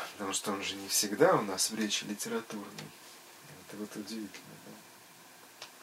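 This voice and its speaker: Over noticeable background noise, a man at a fairly low pitch talks at a moderate pace with fairly even intonation and big swings in loudness. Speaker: interviewer. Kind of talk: interview.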